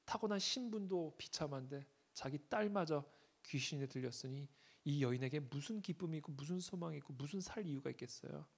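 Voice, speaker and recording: A middle-aged man preaching a sermon as pastor, swinging from hushed asides to shouted scripture readings. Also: fairly high pitch, expressive, fairly quick, creaky, husky.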